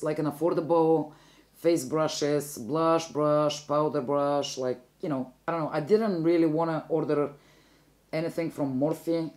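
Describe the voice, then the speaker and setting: Bulgarian-accented woman, mellow chatty voice. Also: low voice. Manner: chatty, rambling, self-correcting. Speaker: beauty vlogger. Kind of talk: casual makeup tutorial chat.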